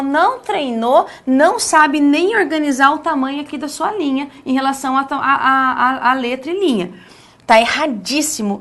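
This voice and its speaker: High-voiced Brazilian woman teaching emphatically. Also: fairly bright tone. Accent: Brazilian Portuguese. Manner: emphatic, stretches key words slowly; checks in with the listener often. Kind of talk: classroom lesson on essay writing.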